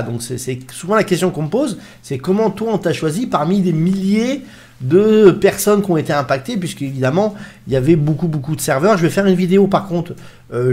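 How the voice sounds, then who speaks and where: A man chatting casually to his viewers, full of fillers and restarts. His voice sits a little high for a man. He talks like a YouTuber telling a story straight to camera. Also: darkish tone. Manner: rambling, many fillers and restarts. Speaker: YouTuber recounting a TV interview.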